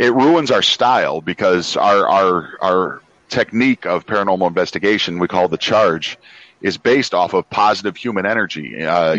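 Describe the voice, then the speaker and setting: A man with an American accent has an ordinary speaking voice, fairly low in pitch, captured with a dry, close sound with no echo. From Tennessee, US South. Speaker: paranormal investigator, podcaster. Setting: video call.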